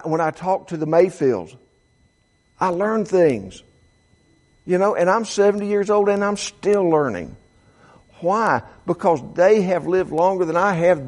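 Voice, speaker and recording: Seventy-year-old man preaching, halting restarts. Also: fairly high pitch. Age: 70s. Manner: reads quotes aloud, frequent stammered restarts. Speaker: pastor. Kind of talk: sermon.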